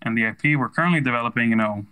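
An American man with a bright, forward voice at a medium pitch. He talks like a startup founder being interviewed, explaining things casually and with emphatic enthusiasm, dropping in "you know" often. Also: very fast, clean tone. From United States.

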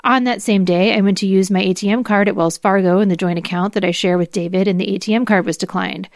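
A woman hosts a podcast, reading formal legal material aloud. Her pitch is average for a woman, and she drops in brief asides. The sound is dry and free of room echo. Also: steady tone, fast talker, a little mellow. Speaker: podcast host. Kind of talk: dramatic reading of legal documents.

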